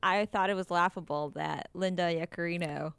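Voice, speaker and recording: A woman co-hosts a casual business podcast, chatty and amused. Her voice is smooth and clear and sits mid-range for a woman. The sound is dry and close. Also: lowish voice, fairly even intonation, normal speed, a bit bright, no room sound. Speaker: podcast co-host. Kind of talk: casual chat.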